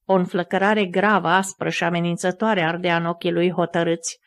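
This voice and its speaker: A woman narrating a Christian novel as an audiobook with a steady, measured reading. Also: on the low side.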